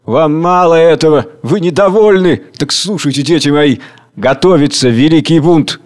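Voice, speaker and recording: A man playing Tsar Hunger, a loud old rabble-rouser. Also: fairly high pitch, moderate pace, natural voice. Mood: rousing. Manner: loud, exhorting, declamatory. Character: old male tyrant Tsar Hunger, rousing his rabble.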